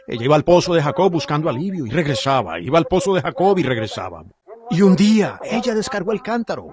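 A man preaching a sermon with fervor, calling out directly to the congregation. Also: on the high side.

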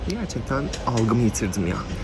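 A man's voice: medium pitch, sing-song, brisk. A young man chatting casually to the camera in an office for his vlog, laughing often. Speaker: vlogger. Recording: noisy background.

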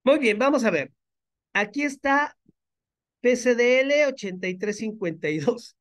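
A man's voice: very high voice, animated, a little slow. A man giving mocking, sarcastic commentary as he reads out viewer comments. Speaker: religion critic commentator.

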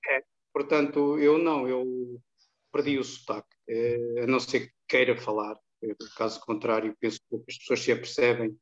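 An older man from Angola, a guest in an interview over a video call, telling anecdotes in a calm, chatty way. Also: mid-range voice, moderate pace. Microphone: webcam on a video call. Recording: dull, lo-fi video call audio.

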